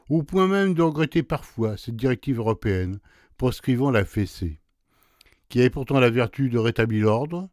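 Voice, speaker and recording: Wry low-voiced male radio presenter. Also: a little mellow, dry recording, clean studio sound. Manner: wry, literary, mock-solemn. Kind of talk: scripted radio introduction.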